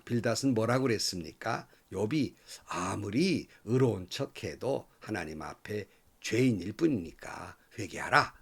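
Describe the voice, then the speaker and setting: A man's voice: lowish voice, creaky, breathy edge. A male pastor giving a morning devotional sermon, earnestly asking his listeners rhetorical questions and sometimes dropping to a whisper.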